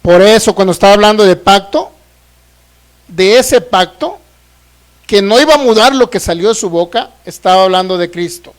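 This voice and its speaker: A man from Mexico preaching a sermon, reading scripture aloud slowly and often checking that the congregation understands. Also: sits high, lively intonation. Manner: asks the congregation frequent check questions. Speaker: pastor. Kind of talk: sermon, Bible teaching.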